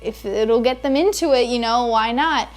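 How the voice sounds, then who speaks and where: A woman's voice: a little high, normal speed, faint music behind. A woman in casual chat, eager and gushing. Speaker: comics commentator.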